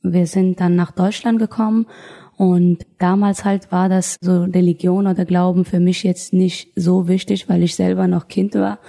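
Gravelly, dark-voiced woman in her thirties. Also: fairly low pitch. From Afghanistan. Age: 30s. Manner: thoughtful, searching for words, frequent restarts. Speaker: interview guest. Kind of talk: personal testimony in conversation.

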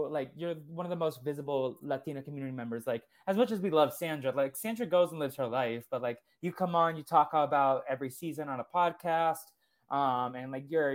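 A young man hosting a podcast interview, enthusiastic and chatty, filling with "like" and "uh", Portuguese his first language. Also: mid-range voice. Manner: enthusiastic, lots of fillers like "like" and "uh". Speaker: podcast host. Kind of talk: casual interview chat.

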